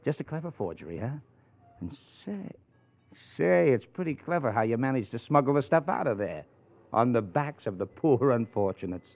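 Through the thin band of a vintage radio broadcast comes a cocky American ex-convict. He swings freely up and down in pitch, flirting and needling with slangy, sardonic wisecracks. It is 1940s crime drama, opportunistic and streetwise. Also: sing-song, normal speed. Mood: sly, triumphant. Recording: muffled narrow-band old radio recording.

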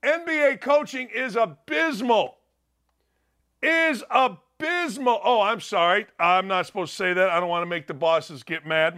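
Middle-aged male sports host, studio; high, sharp-toned, sarcastic shouting rant. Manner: loud ranting, mocking, sarcastic.

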